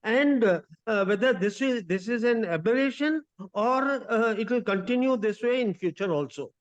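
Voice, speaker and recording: A man with an Indian accent asking an investor's questions on a dull conference call line, halting but insistent. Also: sits high, expressive.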